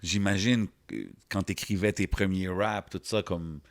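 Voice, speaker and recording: A man's voice: low voice, fairly even intonation, measured pace, dry recording, studio quality. A man with a Montreal Quebec French accent co-hosting a podcast, chatting casually and agreeably with English words mixed in. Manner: agreeable, often affirms the guest. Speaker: podcast co-host, interviewer.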